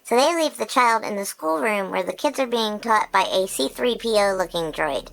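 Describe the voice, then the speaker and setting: A woman voicing an excitable, childlike male creature who hosts a chatty episode recap, bubbly and full of giggles and squeals. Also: mid-range voice, moderate pace, vocal fry, low-quality recording. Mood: excited recap. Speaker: recap host.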